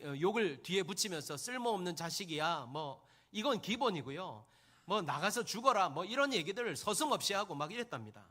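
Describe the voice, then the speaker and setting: A pastor delivers a sermon in a high, bright voice that stands out. He tells a story and turns again and again to his listeners with rhetorical questions. He calls to them directly as he preaches. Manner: addresses listeners as "여러분".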